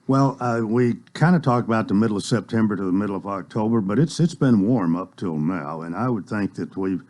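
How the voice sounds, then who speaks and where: A man hosts a small-town radio chat show in a relaxed, folksy way. He speaks in a fairly low voice and often stops to search for words. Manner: folksy, halting with many uh's. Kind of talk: casual local radio chat.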